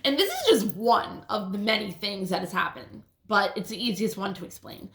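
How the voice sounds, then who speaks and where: Woman vlogger with a lisp, gravelly fry, roomy echoey sound, casual and profane. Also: mid-range voice, very animated, normal speed, fairly bright tone. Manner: casual, swears often, restarts sentences. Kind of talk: rambling personal storytelling. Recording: roomy echo.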